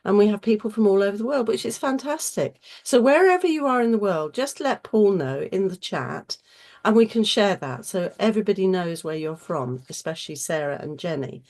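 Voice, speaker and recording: Husky woman hosting a webinar. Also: mid-range voice, animated, brisk, darkish tone. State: getting over a cold. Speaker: host chairing an online webinar. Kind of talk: informal presenter's welcome and introductions.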